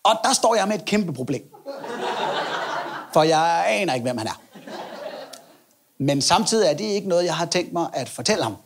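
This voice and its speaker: A man's voice: on the high side, lively intonation, pauses often, background noise. A male stand-up comedian telling a story in a chatty, self-mocking way and acting out the people in it.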